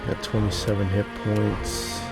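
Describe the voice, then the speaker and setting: A man's voice: lowish voice, completely flat delivery, unhurried, vocal fry. A man giving casual gameplay commentary, wry and sweary, muttering to himself as he plays. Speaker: video game player making a gameplay recording. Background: game music.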